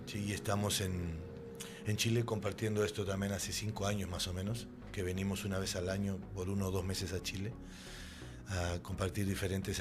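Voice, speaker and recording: With music in the background and audible room echo, a man talks at a moderate pace in a very deep, low pitch with monotone, flat intonation. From Uruguay. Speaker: spiritual therapist. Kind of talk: radio interview. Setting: radio studio.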